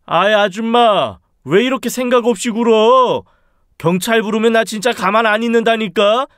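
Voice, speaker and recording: A man voicing a menacing young thug who bullies and shouts threats in an audiobook story. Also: sits high, normal speed, no room sound, clean studio sound. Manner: sneering, bullying, shouts threats.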